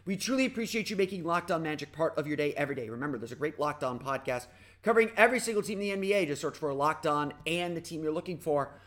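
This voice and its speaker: Man, slightly raspy, energetic podcast host, rambling, higher voice. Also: fast. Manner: energetic, rambling with restarts and fillers. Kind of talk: casual sports podcast talk.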